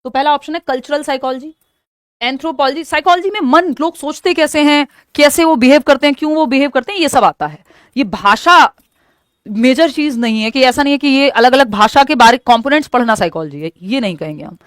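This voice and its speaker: Woman teacher going over exam questions, high voice, reads questions out slow, dry close sound. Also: no room sound. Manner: explains in Hindi mixed with English terms, reads questions slowly. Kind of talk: exam-prep lesson.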